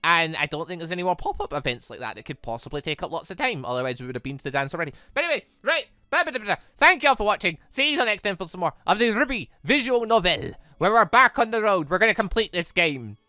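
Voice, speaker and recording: A let's player giving casual, rambling game commentary in an excitable manner. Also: medium pitch, fast, few pauses, dry recording. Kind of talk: casual gameplay commentary, reading dialogue aloud.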